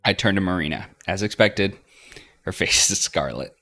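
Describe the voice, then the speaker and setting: A man's voice: deep voice, lively intonation, normal speed, bright, forceful tone. A man hosting a let's play, reading visual novel narration aloud and now and then stumbling over words.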